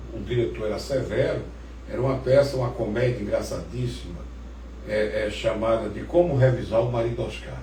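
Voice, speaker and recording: A man talks amid noticeable background noise, with audible room echo around his voice. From Sergipe, Brazil. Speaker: judge. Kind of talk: interview, reminiscing.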